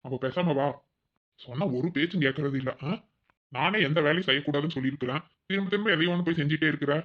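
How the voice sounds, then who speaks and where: A rapid, fussing cartoon husband as voiced. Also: medium pitch, muffled recording, lightly acted. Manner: fussing, nagging with concern. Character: caring young village husband, fussy. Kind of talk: cartoon voice acting.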